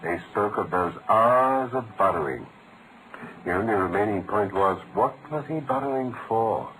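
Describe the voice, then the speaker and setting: World-weary brainy british detective, very expressive, old radio drama with a bit of hiss. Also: male voice, fairly low pitch, moderate pace. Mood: precise, deductive. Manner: articulate, theatrical, explanatory delivery. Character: brilliant, precise, world-weary gentleman detective. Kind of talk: 1940s-style radio drama acting. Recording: noisy old-time radio recording.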